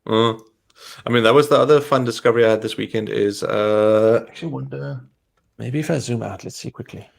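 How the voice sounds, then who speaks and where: A man, an Afrikaans speaker, co-hosts a tech stream in relaxed, easygoing chat. His mid-pitched voice has a gravelly fry, and he fills the gaps with short agreeing murmurs. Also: brisk.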